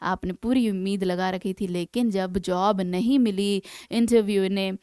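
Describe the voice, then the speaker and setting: A woman teaching English vocabulary for exam preparation, explaining in Hindi and reading English example sentences slowly and deliberately, often checking in with her students. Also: mid-range voice, steady tone, warm tone, smooth, no room sound. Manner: keeps checking in with "है ना". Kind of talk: exam-prep vocabulary lesson.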